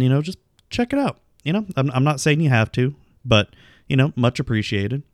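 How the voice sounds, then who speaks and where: A man's voice: fairly low pitch, clean tone, no room sound, studio quality. A man hosting a casual solo podcast, rambling through plugs and game talk with lots of ums. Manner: rambling, filler-heavy, self-deprecating. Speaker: podcast host.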